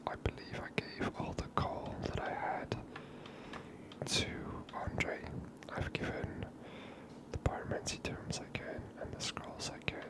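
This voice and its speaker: Slow, whispering ASMR gamer. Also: rough recording. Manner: gentle, unhurried, hushed. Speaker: ASMR gamer, channel host. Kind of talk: whispered ASMR game commentary.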